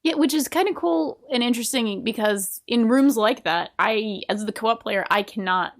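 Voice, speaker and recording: A woman's voice: fairly high pitch, animated, normal speed. A woman with a Rhode Island accent, co-hosting a casual podcast chat in a rambling, self-deprecating way and laughing often. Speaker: podcast co-host.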